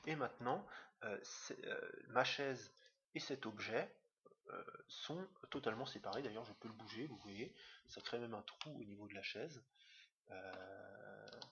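A man teaching a screen-recorded software tutorial, talking fast and hesitantly with many fillers. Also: lowish voice, vocal fry. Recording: dull lo-fi mic with faint hiss.

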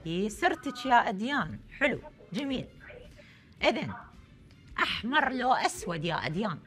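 A woman's voice: fairly high pitch, sing-song, normal speed, fairly bright tone. A young woman with an Iraqi accent hosting a TV call-in game show in a playful, effusive way, often repeating her phrases. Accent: Iraqi Arabic. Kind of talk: lively game show presenting. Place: TV studio. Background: music.

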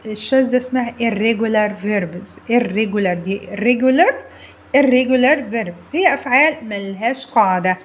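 Egyptian woman teaching English grammar. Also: fairly high pitch. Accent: Egyptian Arabic. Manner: explains step by step, repeats key words slowly. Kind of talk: online grammar lesson.

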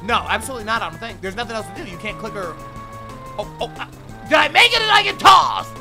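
Very high-pitched, excitable male gamer. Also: fast, over music. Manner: foul-mouthed, exclamatory, slangy. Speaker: gaming streamer. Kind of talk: comic let's play commentary.

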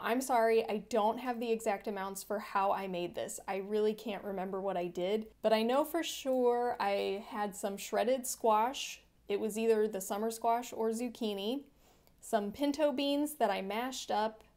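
A woman's voice: mid-range voice, darkish tone. A woman hosting a home cooking channel, narrating her meals in a friendly, chatty voice-over that explains each step. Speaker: vegan cooking channel host.

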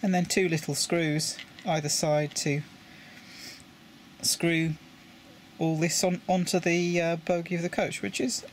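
British man giving a halting hobby tutorial. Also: fairly high pitch, level tone, slight background noise. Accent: British English. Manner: halting, repeats words while handling parts. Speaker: model railway hobbyist. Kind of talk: casual hands-on tutorial. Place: indoors at a table with a model railway.

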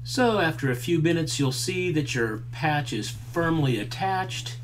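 A middle-aged maker teaches a craft in a hands-on tutorial, speaking slowly in a slightly high voice with a little background noise. He's relaxed and chatty with lots of fillers, working indoors at a workbench and later outside by a farm fence.

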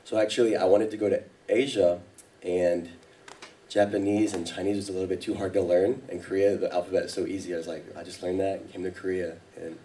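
Hoarse, deep-voiced young man with a cold. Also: little pitch movement, fast, mellow, far from the mic. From Alabama, US. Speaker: guest. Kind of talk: casual chat on a radio panel. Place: radio studio stage with audience. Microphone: handheld mic.

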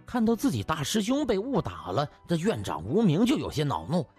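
A man narrating a comic audiobook in a theatrical, colloquial storyteller's manner with a husky voice. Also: on the high side, wildly swooping pitch, brisk, darkish tone, soft background music.

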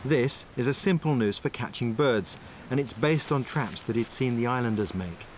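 Male survival presenter, mid-range voice, calm step-by-step explainer, recorded outdoors on a tropical island. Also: mid-range voice, moderate pace, a little hiss or hum. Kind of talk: documentary narration and on-location demonstration.

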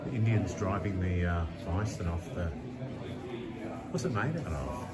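Deep-voiced Australian man vlogging a road trip. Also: measured pace, over a noisy crowd. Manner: relaxed, chatty, easily impressed. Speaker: travel vlogger. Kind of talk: casual travel vlog narration. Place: in and around a car, outdoors on a road trip. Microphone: phone camera held at arm's length.

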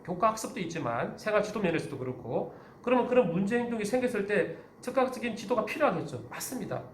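A man's voice: high-pitched, echoey room, a little hiss or hum. A man in his fifties, a teacher, giving a lecture to other teachers and often asking the audience rhetorical questions. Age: 50s.

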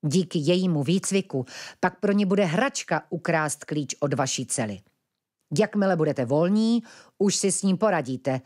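A woman voicing a wise old male ferret who lives in hiding, speaking low and deliberately. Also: lively intonation, a little mellow. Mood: calm.

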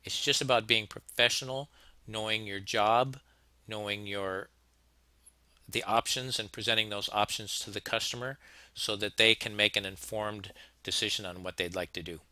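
A man gives a relaxed, plain-spoken training lecture, circling back and repeating himself as he goes. His voice sits a little low but comes across very bright and forceful. It is recorded close and dry, with no room sound. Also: moderate pace, clear, resonant tone, dry recording. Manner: plain-spoken, conversational, frequent restarts and repeats. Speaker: HVAC instructor. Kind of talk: narrated slide lecture.

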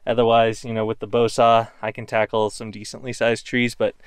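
A man's voice: mid-range voice, monotone, fairly quick, clear, resonant tone, no room sound. A young man from the northwestern United States casually walks through his car camping setup, rambling with many fillers, filmed outdoors on a handheld camera at arm's length. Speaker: vlogger. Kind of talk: casual gear walkthrough. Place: outdoors by an open car in a burned forest.

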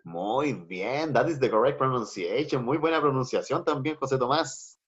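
This online English class comes from a patient teacher from Chile with a Chilean Spanish accent, who mixes Spanish and English and repeats phrases. His voice is medium-pitched, slightly rough and moderately paced, and the video call's computer mic yields dull, lo-fi sound.

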